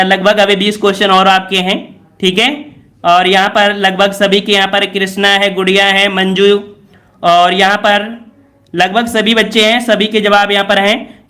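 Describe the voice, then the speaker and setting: A man's voice: high-pitched, sharp tone. A man teaching Hindi grammar in an online exam class, often repeating each answer back as a question. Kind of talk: online class going over a model paper.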